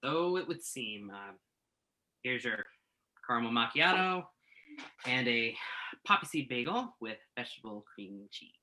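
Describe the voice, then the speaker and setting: A man's voice: mid-range voice, expressive, measured pace, long pauses, pushed and bright, a little hiss or hum, poor audio. A man acting in a play reading as a self-doubting, sardonic entertainment journalist who puts himself down. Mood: self-critical.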